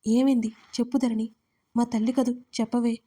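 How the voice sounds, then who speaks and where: Anxious gentle mother voiced by a woman reader, soft and coaxing, mellow tone. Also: a little high, flat delivery, moderate pace, natural voice. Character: worried caring mother, coaxing her daughter.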